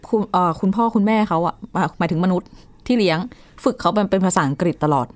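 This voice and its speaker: Fast-talking woman co-host. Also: on the low side. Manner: quick, lively, chimes in with reactions. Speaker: radio news co-host. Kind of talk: casual news chat.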